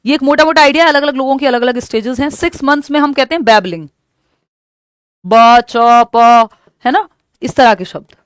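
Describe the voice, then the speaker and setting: A woman teacher working through exam questions, explaining in Hindi mixed with English terms and reading questions out slowly. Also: high-pitched, animated, dry recording, clean studio sound. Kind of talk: exam-prep lesson.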